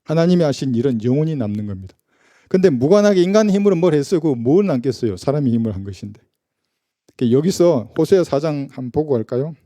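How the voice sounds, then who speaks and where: A man's voice: a little high, expressive, quick pace, mellow, no echo. A man preaching a sermon as pastor in a casual, conversational way, asking his listeners rhetorical questions and briefly acting out the people he quotes. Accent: Gyeongsang Korean. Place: church.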